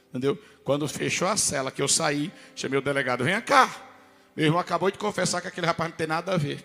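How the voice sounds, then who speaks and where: A man's voice: fairly high pitch, creaky, fairly bright tone, long reverb tail. A man preaching a testimony, telling his story emphatically and acting out the other people's voices. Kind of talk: testimony sermon.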